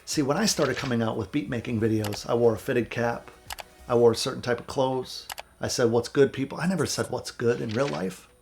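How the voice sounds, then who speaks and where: A man in his thirties from central Wisconsin, a music producer giving earnest, candid motivational advice to camera, raspy and stuffed up with a cold. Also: medium pitch, brisk, darkish tone, a little hiss or hum. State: sick with a cold, stuffy nose. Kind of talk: vlog advice talk to camera.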